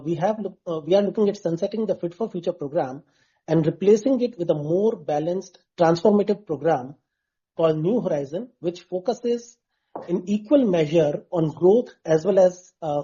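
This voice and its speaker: Male finance executive, very dark husky tone, measured formal answers, dull call audio. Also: sits high. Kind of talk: unscripted earnings call answers.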